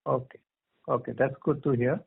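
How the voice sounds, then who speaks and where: A man's voice: mid-range voice, fairly even intonation, normal speed, creaky, husky. A man with an Indian accent asking polite, tentatively phrased questions as a financial analyst on a conference call. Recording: narrow, muffled phone line.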